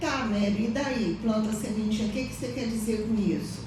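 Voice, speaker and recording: At a moderate pace, a woman speaks amid noticeable background noise. Audible room echo surrounds her voice. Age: 70s. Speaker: happiness psychology speaker. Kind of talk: interview explanation.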